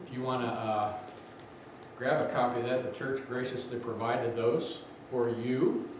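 A man with a big voice preaching a sermon as a guest preacher, energetic and conversational, with asides to the congregation. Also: medium pitch, unhurried, noisy background. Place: large church sanctuary. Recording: very echoey church from a distance.

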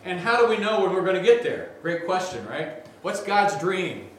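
A man with a big, slightly high voice preaches to a congregation in an energetic, conversational way, adding asides as he goes. He is heard from a distance in a very reverberant church, with a faint hum of the room behind him. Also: moderate pace. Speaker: guest preacher. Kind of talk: sermon. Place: large church sanctuary.

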